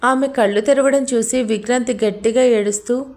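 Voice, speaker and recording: A woman's voice: a little high, steady tone, normal speed, a little mellow. A woman narrating a romantic audio story in a scripted, dramatic, emotional way.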